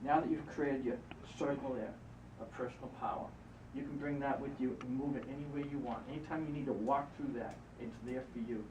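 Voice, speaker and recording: A hypnotist guiding a volunteer through a live exercise, repeating encouraging instructions. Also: male voice, medium pitch, fairly even intonation, fairly quick, noisy background. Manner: coaching, repetitive, encouraging. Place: event room. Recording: roomy, distant, muffled live event recording.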